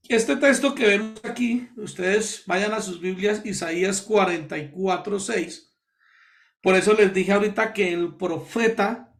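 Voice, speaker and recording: A pastor from Colombia leading a Bible study, explaining words slowly and repeating key terms to his listeners. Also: sits high.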